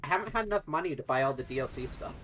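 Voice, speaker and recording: Excitable gamer with a lively voice. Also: mid-range voice, rapid-fire, slight background noise. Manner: excitable, laughs often, gushing. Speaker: gamer chatting while playing. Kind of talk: casual gaming chat.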